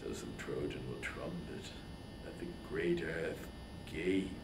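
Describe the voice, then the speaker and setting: A man's voice: slow pace, full character voice. A man voicing an anguished, wrathful warrior king in a declamatory, impassioned reading of epic poetry. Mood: bitter despair. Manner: impassioned, declamatory, swinging from shouts to breathy whispers. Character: anguished, wrathful warrior king grieving over wounded brother. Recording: roomy, echoing, faint background rumble.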